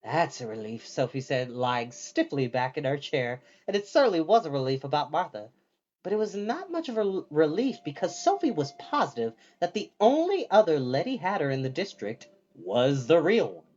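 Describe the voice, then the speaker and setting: Animated storyteller, muffled lo-fi recording. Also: medium pitch, normal speed. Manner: animated, acts out dialogue. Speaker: storyteller reading a children's novel aloud. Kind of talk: expressive storybook reading.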